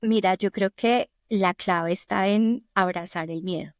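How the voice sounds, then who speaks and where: Colombian-accented woman, middle-aged, guest in an interview, earnest storytelling, dry close sound, mid pitch. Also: a little slow, dry recording. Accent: Colombian Spanish. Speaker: podcast guest. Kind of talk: conversational interview.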